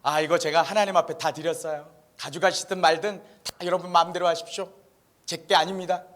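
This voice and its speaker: A pastor quoting a stern frustrated missionary. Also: male voice, high voice, expressive, a little fast, a bit bright. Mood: calm. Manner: stern, then weary and pleading in prayer. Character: frustrated Western male missionary, rational and individualistic.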